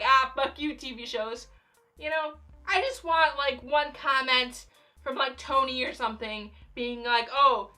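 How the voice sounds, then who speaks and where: A young woman vlogging casually about films, rambling with many fillers and a voice going a little hoarse. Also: high voice. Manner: rambling, animated fangirl talk with frequent fillers and laughs. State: losing her voice, slightly hoarse. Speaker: YouTuber. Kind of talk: casual vlog commentary.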